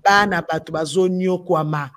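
Here a woman with a lowish, fairly bright voice keeps a steady tone at normal speed. She's a Congolese gospel musician from the Democratic Republic of the Congo with a Congolese French accent, passionately debating on a talk show and repeating phrases for stress.

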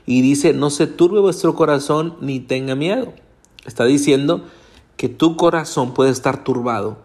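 A man's voice: medium pitch, a little slow, darkish tone. Hispanic man preaching a sermon. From Latin America. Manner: earnest, direct address to congregation. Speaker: pastor.

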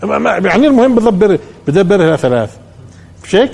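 A man's voice: sits high, sing-song, quick pace, gravelly, a little mellow, slightly rough. A man with a Palestinian accent, a sheikh giving a colloquial religious lesson, talking conversationally and answering his own rhetorical questions. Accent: Palestinian Arabic. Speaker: sheikh teaching Quran commentary.

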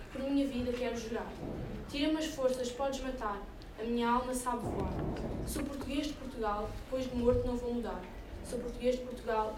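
A woman reciting a rhyming poem aloud in a measured, rhythmic way at a reading. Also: on the high side. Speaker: reader at a reading event. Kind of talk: poetry recitation. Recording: echoey room, distant mic, noisy.

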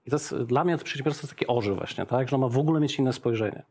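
A man's voice: medium pitch, racing, darkish tone. Middle-aged guy in an interview, business owner, chatty, keeps asking "tak?" to check in. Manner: chatty, explains with examples, often adds "tak?".

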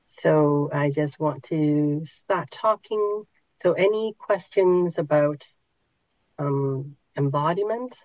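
A middle-aged woman teaches a small group at a very slow, unhurried pace, often pausing and restarting as she searches for words. Her voice sits dry and close, with no room around it, on a somewhat dull, muffled recording. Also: deep voice, darkish tone, no echo. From Hong Kong. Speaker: podcast host and spiritual teacher.

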